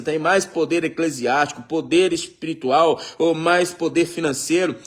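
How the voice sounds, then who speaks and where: Man preaching, high voice, reads scripture, acts out dialogue, talks straight to the congregation. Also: breathy edge. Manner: addresses the congregation directly. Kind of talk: sermon.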